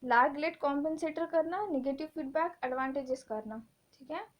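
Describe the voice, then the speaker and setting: A high-pitched young woman talks students through exam topics in a relaxed, conversational way. She drops English technical terms into her speech and slows right down when reading lists. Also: muffled recording. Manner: chatty, mixes English terms, reads topic lists slowly. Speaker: exam coaching teacher. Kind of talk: casual exam-prep lesson in Hindi-English.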